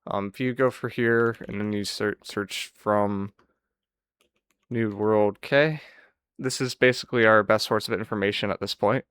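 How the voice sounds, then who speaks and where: A man's voice: on the low side, fairly even intonation, unhurried, fairly bright tone, clear, resonant tone, dry recording. A man giving a casual, unscripted farewell commentary on a video game, speaking in a downcast, wistful, resigned way. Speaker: gaming channel streamer.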